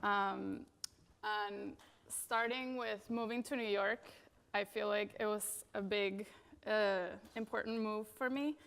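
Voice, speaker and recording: A woman's voice: mid-range voice, fairly even intonation, slow, vocal fry, a bit bright, clean tone. A woman in her thirties from Venezuela giving a casual conference talk about her design career, with many fillers. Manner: casual, many fillers, frequent "you know" and "like".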